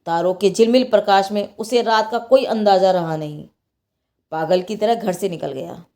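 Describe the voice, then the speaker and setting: A woman narrating a scripted moral religious tale in an expressive, dramatic storytelling manner. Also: medium pitch, moderate pace.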